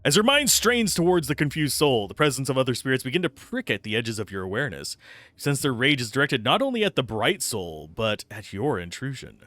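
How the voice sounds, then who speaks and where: A man's voice: mid-range voice, big pitch swings, brisk, fairly bright tone, no room sound. A man streaming a game, giving live commentary and reading game text aloud into a close microphone. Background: faint game music.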